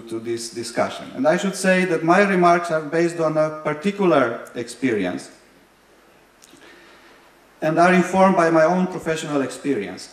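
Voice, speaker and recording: A man from Romania moderating an academic panel, introducing speakers in a measured way with frequent fillers and dry humor. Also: a little high. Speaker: higher education policy researcher. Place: conference hall. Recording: echoey conference hall.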